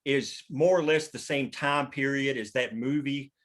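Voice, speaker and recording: Guy writer chatting about the work, rambly but emphatic, middle pitched voice. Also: unhurried, a bit bright. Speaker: screenwriter leading a script table read. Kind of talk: casual discussion.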